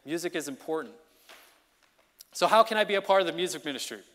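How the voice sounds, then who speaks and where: A man preaching an informal midweek sermon as song leader, talking in a conversational, energetic way that keeps checking in with the congregation. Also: a little high, quick pace. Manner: conversational, energetic, often checks in with "okay?" and "you know". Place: church sanctuary. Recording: long reverb of a church hall.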